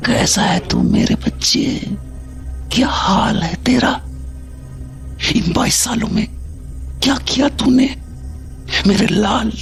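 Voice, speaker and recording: A man plays a disturbing son, back after decades, whom his own mother calls a monster. He speaks slowly in a breathy, whispery way, his pitch lurching between sing-song sweetness and hurt. Faint music hums beneath this horror audio drama. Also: fairly bright tone, full character voice. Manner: creepy, whispery, swings from sweet to wounded. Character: unsettling grown son, returned after 22 years, mother calls him a monster.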